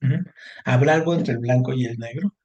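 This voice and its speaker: A man's voice: mid-range voice, a little fast, darkish tone, lo-fi sound. Man teaching a lesson. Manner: explanatory, frequent tag questions and fillers. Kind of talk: online class lesson.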